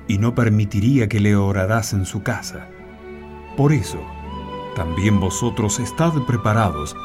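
Male radio narrator, Rioplatense accent, low and animated, emphatic scripted read, music bed. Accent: Rioplatense Argentine. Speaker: narrator and announcer.

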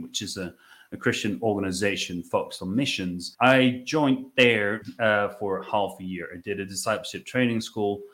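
Dutch man, reflective and halting. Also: lowish voice, a bit bright. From Netherlands. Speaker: podcast guest, business owner. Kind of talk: conversational interview storytelling.

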